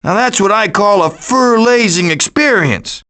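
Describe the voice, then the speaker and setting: A man voicing a glib, sarcastic, scheming raccoon who leads a gang of food thieves in an animated video game. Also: high voice, unhurried, full character voice. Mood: cocky, quipping. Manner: glib, sarcastic, cocky quipping.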